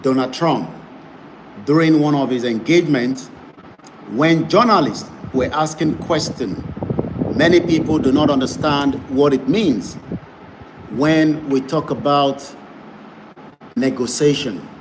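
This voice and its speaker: A man's voice: on the high side, unhurried, long pauses. Emphatic campaigning male broadcaster, noisy. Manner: emphatic, repetitive campaigning delivery. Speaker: online broadcaster. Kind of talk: advocacy broadcast. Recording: noisy background.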